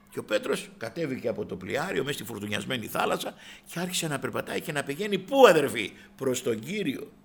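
Gravelly-voiced man preaching a sermon. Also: mid-range voice. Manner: preaching, addresses listeners as brothers and sisters; rises loudly when quoting Christ.

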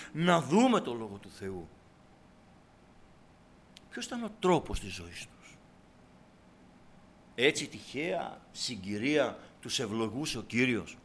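A man preaching a sermon to a congregation, exhorting them and repeating his calls, swinging from soft, low asides to loud, fervent cries. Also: a little hiss or hum.

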